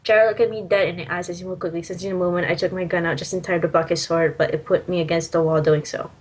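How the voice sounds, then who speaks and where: A woman's voice: lowish voice, fairly even intonation, quick pace. A woman casually reading amateur fan fiction aloud, giggly and teasing with joking asides. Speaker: story reader.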